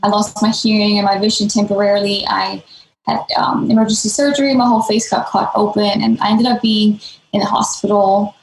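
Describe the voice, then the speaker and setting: A Danish woman in her late 20s, a nonprofit founder, tells her story as a podcast guest. Her medium-pitched voice stays fairly flat and moves a little fast; she's fluent and casual but uses lots of "um" and "like," recorded in an echoey room.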